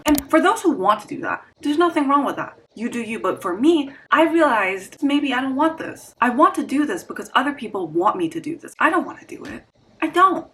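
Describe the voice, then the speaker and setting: Fast-talking earnest young woman. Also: sits high, big pitch swings, a bit bright, a little hiss or hum, rough recording. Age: 20s. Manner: earnest and reflective, repeats phrases for emphasis. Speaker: vlogger. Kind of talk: personal reflective vlog.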